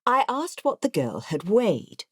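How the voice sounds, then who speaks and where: A woman's voice: medium pitch, wildly swooping pitch, measured pace, no echo, clean studio sound. A woman voicing an artless, chatty retired nurse in her later years, narrating an audiobook in an English accent, confiding and matter-of-fact as she digresses. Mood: confiding, digressive. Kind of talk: audiobook first-person narration.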